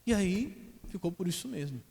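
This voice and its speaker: Pastor preaching hard, asks the crowd questions, echoey church hall. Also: male voice, high-pitched, expressive, normal speed, creaky, darkish tone, husky. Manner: emphatic, asks the congregation rhetorical questions. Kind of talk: sermon.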